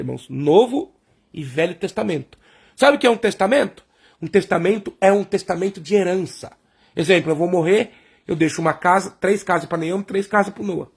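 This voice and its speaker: A creaky, slightly rough voice sits high as this man gives a sermon. He works through ideas by asking and answering his own questions, and he keeps referring to the congregation as brothers and sisters.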